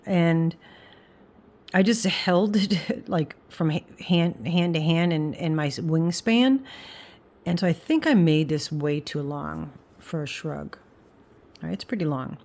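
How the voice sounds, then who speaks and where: An older woman speaks in a low register, with a slight whistle on her s sounds. She chats informally in the way of a craft vlogger, pausing, restarting and trailing off into asides as she thinks aloud. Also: darkish tone. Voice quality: whistling s through the teeth. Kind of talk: casual rambling chat.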